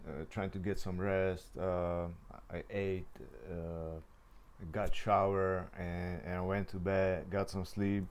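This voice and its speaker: A young Czech-born man speaks in a low, level voice with a smooth, clean tone. He rambles through a personal story, stopping and restarting often and leaning on lots of fillers. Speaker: vlogger. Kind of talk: casual storytelling.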